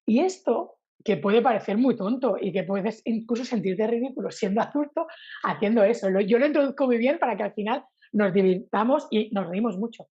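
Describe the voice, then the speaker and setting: A woman's voice: a little high, brisk, warm tone, husky, muffled recording. A woman from Spain, a Spanish teacher being interviewed, who talks animatedly and acts out her examples with a sing-song voice. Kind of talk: casual interview talk.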